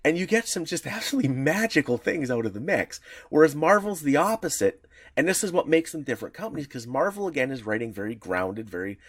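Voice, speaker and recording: A man's voice: fairly high pitch, very animated, fast talker, breathy edge, no room sound, clean studio sound. A man co-hosting a podcast in casual chat, talking with enthusiasm and tripping over restarts as ideas pile up. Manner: enthusiastic, rambling with frequent restarts. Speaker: podcast co-host.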